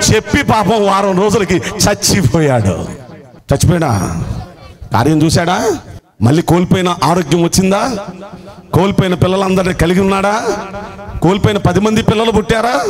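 Man, pastor, Easter sermon, high voice, very lively intonation, rhetorical questions, church congregation. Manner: dramatic swings of voice, quoting scripture figures. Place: church before a seated congregation.

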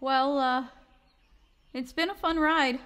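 A woman's voice: sits high, fairly even intonation, takes it slowly, a bit bright. A woman playing a blunt, sarcastic modern time traveller's companion in an audio drama, slangy and full of quips. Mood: uneasy. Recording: music behind the voice.

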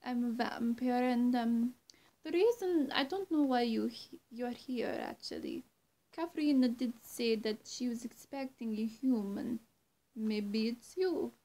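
Woman playing a high-voiced, coy female vampire. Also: expressive, dark tone. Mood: flustered. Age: young adult. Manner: coy, halting, cooing endearments. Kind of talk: ASMR-style roleplay addressed to the viewer. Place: small indoor room, seated on a bed. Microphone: camera or phone at arm's length.

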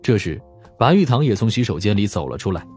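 A man's voice: lowish voice, sing-song, quick pace, darkish tone, faint music behind. A man reading a dramatic scripted audiobook narration.

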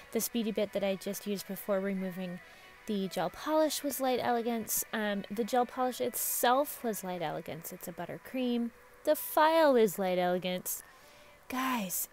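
A woman's voice: mid-range voice, a little mellow. A woman, a nail technician, giving an upbeat, chatty voice-over for her vlog. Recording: voice-over with faint music behind.

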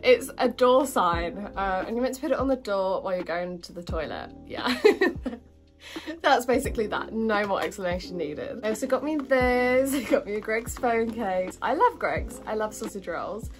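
A woman's voice: mid-range voice, expressive, moderate pace, faint music behind. Bubbly young British woman vlogger. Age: young adult. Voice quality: slightly husky from a cold. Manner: bubbly, giggly, informal. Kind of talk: casual chatty haul vlog.

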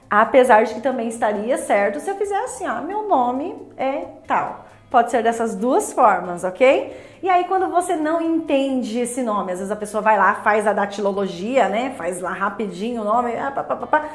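A Brazilian woman teaching sign language in a lively, demonstrative way, repeating each phrase as she shows it. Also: a little high, moderate pace, roomy sound. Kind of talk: friendly instructional explanation.

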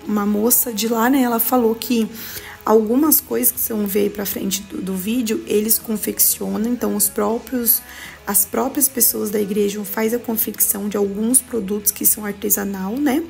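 Young female vlogger, gravelly, enthusiastic phone-filmed shopping tour. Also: a little high, a little mellow. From Brazil. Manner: chatty, enthusiastic, talks straight to viewers with frequent "gente" and "tá?". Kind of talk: casual thrift-shopping tour vlog. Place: large indoor parking garage bazaar.

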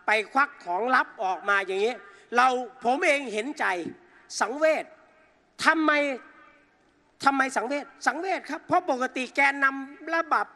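A man's voice: very high voice, lively intonation, a little slow, sharp tone. A man giving a fiery, mocking political speech on an outdoor rally stage, speaking into a stage microphone and addressing the crowd directly. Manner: combative, mocking, addresses the crowd as brothers and sisters.

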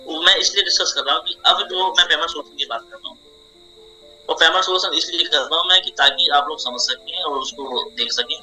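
A man's voice: fairly high pitch, sharp tone, low-quality recording. A young man hosting an online meeting, explaining to a group over a video call with a repetitive, persuasive manner.

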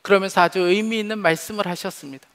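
A man in his forties preaches from a church stage with a noticeably high voice. He is earnest and heartfelt, pressing some words hard and letting others drop soft. His voice rings out into a long hall reverb. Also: steady tone, quick pace. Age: 40s. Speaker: pastor. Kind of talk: sermon. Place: church stage behind a podium. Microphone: headset mic.

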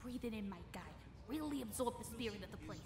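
Woman playing brash, high-pitched, streetwise radio host. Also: fast talker, darkish tone, slight background noise, close to an everyday voice. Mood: teasing. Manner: sassy, theatrical, tough-talking. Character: brash, streetwise, bossy female radio survival-guide host. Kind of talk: comedic audio drama acting.

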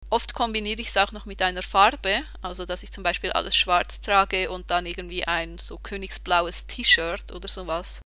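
A podcast co-host in their thirties from Switzerland talks in a relaxed, wry way, often correcting themselves mid-sentence. The voice is bright and a little tense. The recording is dry and close. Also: mid-range voice, no room sound. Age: 30s. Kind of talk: casual podcast chat.

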